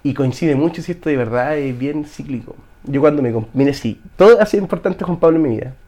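A man's voice: on the high side, a little fast, dark tone. Chilean man telling a personal story. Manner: emotional storytelling, frequent restarts. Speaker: guest. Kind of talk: casual interview, personal story.

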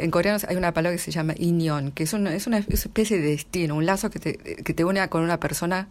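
A middle-aged woman with an Argentine Spanish accent, chatting as an interview guest, with many restarts and frequent laughter. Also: lowish voice. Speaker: literary translator, guest. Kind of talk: casual interview answers.

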